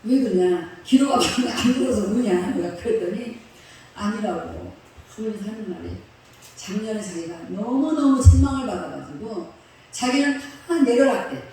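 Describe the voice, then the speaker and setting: Recorded from a distance in an echoey church sanctuary with a little hiss or hum, a woman pastor tells a story in her sermon. Her voice is a little high and mellow, and she laughs along with the congregation in a chatty, colloquial manner.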